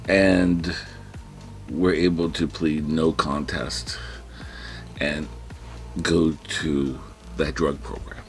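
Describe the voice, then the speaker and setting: A man vlogging a personal story in casual, rambling storytelling, breathing heavily. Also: extremely low pitch. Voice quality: heavy breathing. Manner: rambling, restarts, quotes himself in panicked whispers.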